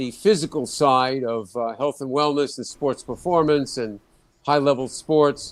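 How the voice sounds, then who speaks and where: A man speaks in a New York accent. His pitch is fairly high, with ordinary variation. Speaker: sports podiatrist and radio host. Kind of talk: casual chat. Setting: live video broadcast.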